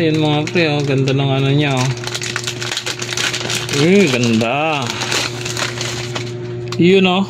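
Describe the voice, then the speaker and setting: A man with a Filipino accent chatting casually through an unboxing as a vlogger, in short informal phrases. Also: a little high. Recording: loud vehicle and background noise.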